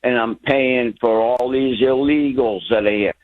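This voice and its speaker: A man's voice: medium pitch, steady tone, a little slow. A man in his sixties calling in to a radio show over the phone, ranting heatedly. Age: 60s. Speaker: caller. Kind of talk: call-in radio rant. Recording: tinny phone line.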